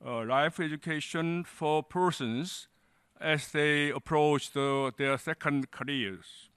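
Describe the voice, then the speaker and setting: A man delegate at a conference, making a formal statement and pausing often with fillers. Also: on the high side, fairly bright tone, smooth, no echo, clean studio sound. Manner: halting, many uh fillers, formal. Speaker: delegate asking a question. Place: conference hall.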